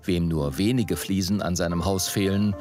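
A man reading scripted voice-over narration for a TV report in a measured, even way. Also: low voice, music in the background. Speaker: documentary narrator.

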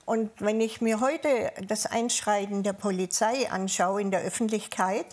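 A woman with a southern German accent, a former police officer, recalling her years on duty in a measured way with frequent hesitations. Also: medium pitch, steady tone, darkish tone. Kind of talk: panel talk, personal recollection.

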